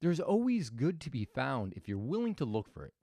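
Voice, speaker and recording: Lively reflective male motivational speaker. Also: mid-range voice, brisk, no room sound. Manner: thoughtful, storytelling, with restarts. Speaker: host.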